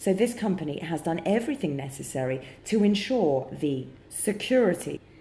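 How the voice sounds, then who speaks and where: A somewhat breathy woman's voice in a British accent, fairly low-pitched with a dark, mellow tone, very wide pitch swings and a moderate pace. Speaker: product reviewer. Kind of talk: screen-recorded tutorial walkthrough.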